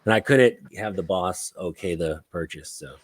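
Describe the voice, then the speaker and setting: A man hosting a live stream who does gun reviews, chatting casually with relaxed, enthusiastic interjections. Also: deep voice, normal speed, husky, no echo.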